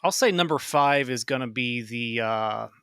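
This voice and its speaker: A man who is a podcast guest, chatting casually and enthusiastically, with quick agreeing replies. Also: mid-range voice, a bit bright, smooth, dry recording, clean studio sound. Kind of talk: casual chat.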